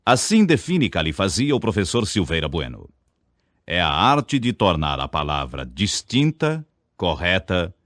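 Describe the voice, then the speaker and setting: A man with a Brazilian Portuguese accent narrating a scripted speech lesson, slowly over-enunciating his example words. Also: fairly low pitch, no echo, studio quality. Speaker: speech teacher.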